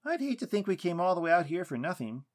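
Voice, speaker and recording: A man's voice: high-pitched, big pitch swings, quick pace, voice pushed up. A man voicing a polite, awkward but firm male investigator in an audiobook, courteous and businesslike. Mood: uneasy, courteous. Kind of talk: audiobook character dialogue.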